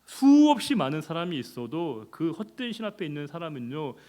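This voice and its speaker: A male pastor preaches a sermon with a voice pitched a little higher than most men's. He talks to the congregation in a conversational way and asks them rhetorical questions. He stresses key points with sudden rises in pitch and volume. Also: sing-song, brisk, mellow. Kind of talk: expository sermon.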